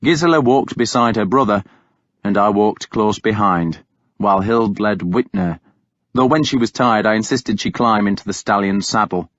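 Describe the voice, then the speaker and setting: A man narrating a novel in the first person with a dramatic, deliberate delivery. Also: lowish voice, a bit bright, no room sound, dull audio. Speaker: audiobook narrator.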